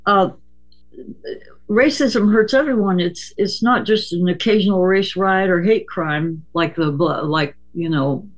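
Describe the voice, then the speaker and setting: A Native American man hosting a casual radio talk, speaking haltingly with many fillers and hesitations. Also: high-pitched.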